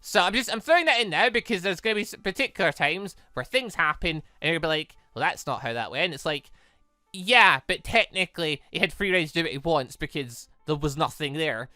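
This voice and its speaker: Male let's-play host, animated pitch, rambling casual delivery, dry close sound with music underneath. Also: brisk, dry recording. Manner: rambling, repeats and rephrases himself. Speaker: gaming video host.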